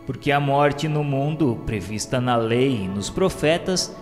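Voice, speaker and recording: Brazilian guy doing solemn religious radio narration, slow, super reverby w music behind. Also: medium pitch, lively intonation. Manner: solemn, formal, measured delivery. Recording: long reverb, music underneath.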